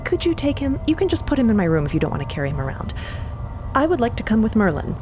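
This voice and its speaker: A woman's voice: a little high, big pitch swings, fast talker, music in the background, pitched above the performer's own voice. A woman playing a determined, earnest young noblewoman, eager and articulate, in an audio drama.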